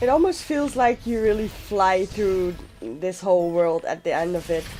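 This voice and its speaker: Music plays in the background as a woman with a Dutch accent speaks. Her pitch is medium and her pace moderate. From Netherlands. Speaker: gaming YouTuber. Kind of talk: let's play commentary. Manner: occasionally halting.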